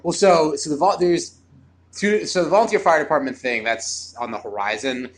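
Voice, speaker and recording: A man's voice: fairly high pitch, slight background noise. A man in his twenties, a comedian, chatting casually at a bar and rambling with lots of fillers. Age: 20s. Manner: rambling, talks fast with many fillers. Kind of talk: casual chat.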